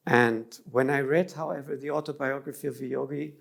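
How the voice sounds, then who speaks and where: Man with a gravelly voice. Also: mid-range voice, fairly even intonation. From Germany. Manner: thoughtful, halting, restarts mid-phrase. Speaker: interview guest. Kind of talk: reflective interview.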